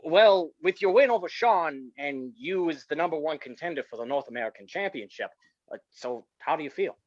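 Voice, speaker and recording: Eager, polite backstage wrestling interviewer acted by a man, animated high voice, dull lo-fi mic. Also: brisk, no room sound. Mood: polite, inquisitive. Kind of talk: staged reading of wrestling promos. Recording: dull lo-fi microphone.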